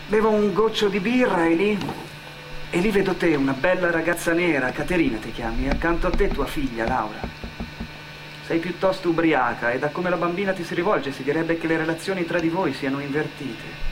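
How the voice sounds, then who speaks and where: A man speaks fairly quickly at a fairly high pitch, performing a theatrical, scripted monologue over music with background noise. Emotive and stage-like, he repeats phrases and speaks to an absent person as "you."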